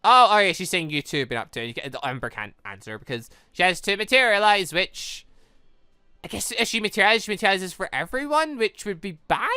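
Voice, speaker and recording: Animated, bright-voiced game commentator. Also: medium pitch, fast talker, clean tone, no room sound, clean studio sound. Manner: rambling, stumbles over words. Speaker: gaming channel host reading and reacting to a visual novel. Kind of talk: casual let's-play commentary with read-aloud dialogue.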